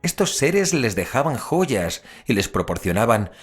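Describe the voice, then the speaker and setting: An actor playing an investigator who recounts a cursed town's grim history in expressive, deliberate Castilian Spanish for an audio drama. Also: male voice, mid-range voice, soft background music. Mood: intrigued, ominous. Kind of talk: scripted audio drama narration.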